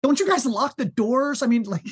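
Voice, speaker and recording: A man with a high voice, a musician telling stories in a casual interview, animated and full of fillers and restarts. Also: moderate pace, slightly rough. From United States. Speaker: musician guest.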